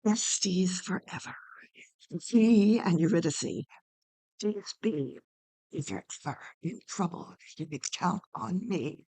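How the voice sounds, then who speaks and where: A woman's voice: lowish voice, slow, warm tone, slightly rough, no echo, exaggerated voice, low-quality recording. A woman voicing a female viper, a sly, cajoling false friend with venomous intent, in a dramatic play reading. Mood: clingy, ingratiating.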